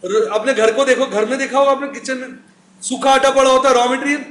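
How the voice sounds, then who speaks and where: Man, middle-aged, accounts teacher, very high voice, chatty classroom lecture, echoey room. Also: fairly even intonation, brisk, a bit bright. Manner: chatty, asks the class questions and answers them himself. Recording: echoey room with faint noise.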